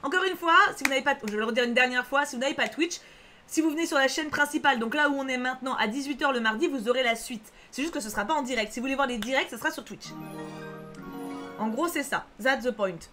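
A woman's voice: high voice, fast talker, sharp tone, faint music behind. A woman streaming live, chatting casually with viewers, reassuring and repeating herself with lots of fillers. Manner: chatty, reads chat aloud, frequent fillers.

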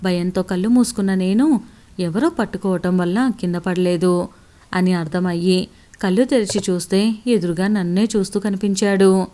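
A woman's voice: medium pitch, mellow. A woman narrating a romantic story in the first person, in an intimate, emotional storytelling manner.

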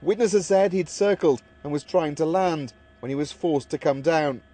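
A man's voice: a little high, normal speed, dark tone. A man narrating a scripted television news report as the reporter.

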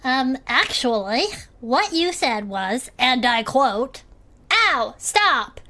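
A woman's voice: high-pitched, sing-song, slow, bright, forceful tone, full character voice. A woman voicing an earnest clawed creature adventurer who teases her friend, in an audio drama. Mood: earnest, playful. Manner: earnest, playful teasing.

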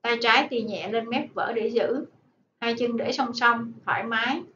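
A woman primary school teacher dictating to children, speaking deliberately and enunciating word by word. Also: fairly high pitch, sharp tone. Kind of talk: slow dictation-style lesson for children. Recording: echoey room, dull sound, faint noise.

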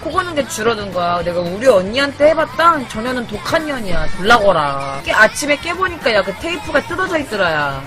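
A woman's voice: on the high side, very animated, a little fast, few pauses, music in the background, crowd noise. A young woman from Korea livestreaming from her apartment at night, swearing casually and venting in an exasperated way. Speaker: live streamer. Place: small apartment at night, sister asleep in the loft. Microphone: desk microphone.

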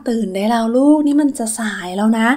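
Lady doing a caring mom in a kids toy story, soothing and coaxing, fairly high voice. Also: fast, over music, lightly acted. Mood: urging. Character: caring, reassuring mother of a schoolgirl. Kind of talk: toy-play children's story acting.

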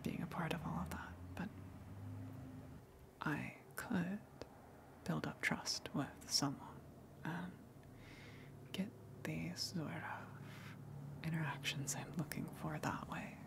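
A woman voicing a lonely, gentle tentacled sea monster in a breathy whispered ASMR roleplay, hesitant and earnest as she speaks. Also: low-pitched, steady tone, heavily acted. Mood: wistful, guarded. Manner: hesitant, confessional, halting, earnest.

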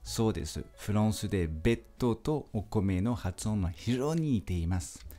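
A man teaching a pronunciation lesson, speaking slowly and patiently and repeating sounds for the listener to pick out. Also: lowish voice, expressive, dark tone, faint music behind. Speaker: French teacher. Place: language school.

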